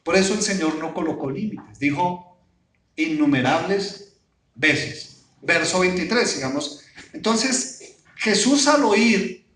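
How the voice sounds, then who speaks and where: A man's voice: high-pitched, fairly bright tone, far from the mic. A pastor preaching a sermon, putting rhetorical questions to his congregation. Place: church hall. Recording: echoey church hall, voice off-mic.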